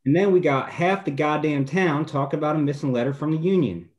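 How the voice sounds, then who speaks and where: A man's voice: a little high, brisk, lightly acted. A man reading the part of a dry, folksy small-town tough in a drama table read. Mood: exasperated.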